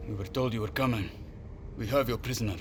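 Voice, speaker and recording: A man playing a formal, measured army lieutenant. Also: mid-range voice, a little hiss or hum, lightly acted. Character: weary, courteous male army lieutenant. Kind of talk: video game cutscene acting.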